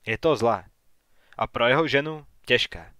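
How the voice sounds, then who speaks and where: A man voicing a courteous small-town real estate agent in an audiobook, a little raised and brisker than his narration. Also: medium pitch, no echo, clean studio sound, natural voice. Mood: polite, probing. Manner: courteous, then sharp and questioning.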